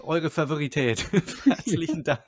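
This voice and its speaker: A man's voice: fairly high pitch, very animated, normal speed, slight background noise. A man co-hosting a podcast in casual conversation. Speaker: podcast co-host.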